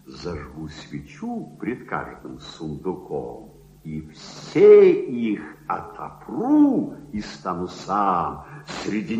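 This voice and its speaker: A man's voice: low-pitched, full character voice. An actor playing an old miserly baron in a radio play, declaiming verse as a tormented man hungry for power and in love with his treasure. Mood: gloating, rapturous. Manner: declamatory, from hushed gloating to anguished cries. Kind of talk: theatrical dramatic monologue in verse, Russian radio play. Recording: echoey, dull archival radio recording.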